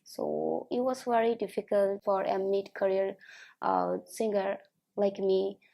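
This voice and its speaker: A twenty-one-year-old woman from Afghanistan, a singer giving a halting personal account full of filler pauses. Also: mid-range voice, lively intonation, gravelly, mellow. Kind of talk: personal testimony interview.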